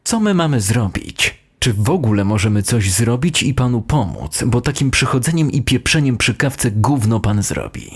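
A man's voice: mid-range voice, expressive, moderate pace, hardly any pauses, slightly rough. A man voicing a sardonic, confrontational deputy headteacher in an audio horror story. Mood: irritated, combative. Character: sarcastic, combative male deputy headteacher.

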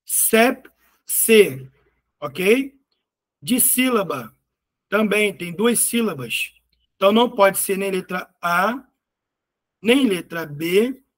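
A man with a rather high voice teaches at an unhurried pace. He goes through exam answers patiently, splitting words into syllables and repeating them. He often pauses to check whether the students are following. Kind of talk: explaining exam questions.

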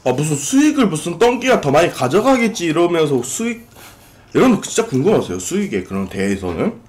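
A man's voice: a little high, big pitch swings, brisk, a little mellow. A young man chatting casually with his co-host during a live mukbang stream, talking between bites in a small room. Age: young adult. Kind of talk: casual chat while eating. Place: small room indoors at a food-covered table.

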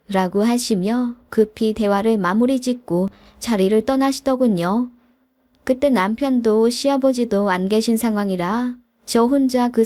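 A woman narrating a scripted first-person story in an even, measured way. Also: on the high side, dry recording.

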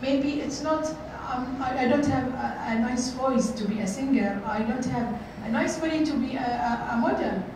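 Woman, middle-aged, high voice, motivational workshop talk, echoey conference room, far-off camera, noisy. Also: normal speed, few pauses. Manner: earnest, repeats phrases, many fillers. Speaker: workshop speaker. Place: large hotel conference room.

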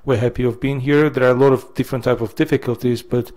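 A man's voice: medium pitch, steady tone, quick pace, darkish tone. A middle-aged man from Russia, introducing himself on a panel in a lecture hall.

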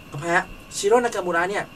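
A man with a bright, forward voice tells a story in an easygoing, conversational way, often pausing on fillers. He sounds a little off-mic, with a faint hiss under the recording. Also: high-pitched, far from the mic. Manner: chatty storyteller with frequent hesitation fillers. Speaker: car show host. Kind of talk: conversational recap on a talk show.

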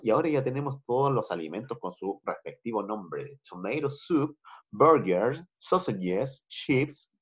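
A man's voice: lowish voice, husky. A man teaching English on a video call, patient, switching between Spanish and English and repeating phrases. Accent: Chilean Spanish. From Chile. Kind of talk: online class teaching. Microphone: computer mic on a video call. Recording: dull lo-fi video call audio.

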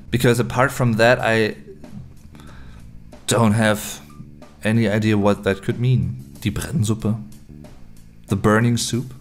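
A man in his thirties from Germany, a native German speaker, giving a casual language lesson and musing aloud as he goes. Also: mid-range voice. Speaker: language video host. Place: small room indoors.

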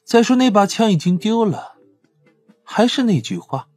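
A man's voice: sits high, big pitch swings, normal speed, a little mellow, no echo, soft background music, voice pushed up. A man voicing a smug, flirtatious male crime suspect in an audiobook, teasing and nonchalant.

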